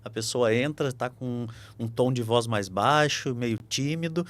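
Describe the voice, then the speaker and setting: A man with a Brazilian Portuguese accent, a guest lawyer on a podcast, talking in a measured, reflective way. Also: medium pitch, a bit bright. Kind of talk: conversational interview.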